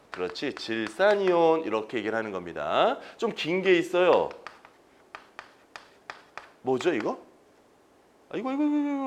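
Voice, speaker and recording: A man's voice: on the high side, a bit bright. A man giving an exam-prep chemistry lecture, asking students questions and answering them himself, repeating key terms.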